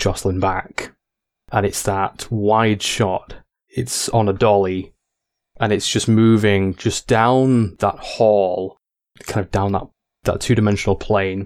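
A man talks at a fairly low pitch and a fairly slow pace with monotone, flat intonation. The recording is very clean, with a silent background. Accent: English. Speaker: tabletop game designer. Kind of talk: casual chat. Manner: self-described awkward.

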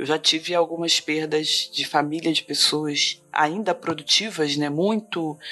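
Her pitch very deep and low, a woman speaks at a fairly slow pace with a bright, sharp tone and ordinary pitch variation. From Rio de Janeiro, Baixada Fluminense. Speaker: podcast host. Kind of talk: scripted narration; casual chat.

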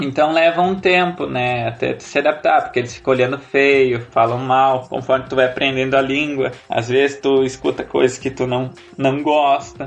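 With music in the background, a man with a southern Brazilian accent talks at a moderate pace and medium pitch, hardly pausing, his intonation fairly even. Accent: gaúcho Brazilian Portuguese. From southern Brazil, Caxias do Sul (Serra Gaúcha). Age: 30s. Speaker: missionary. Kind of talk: interview conversation.

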